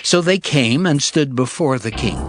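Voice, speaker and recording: A man narrating dramatized scripture as a solemn, deliberate storyteller. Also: mid-range voice, expressive, faint music behind.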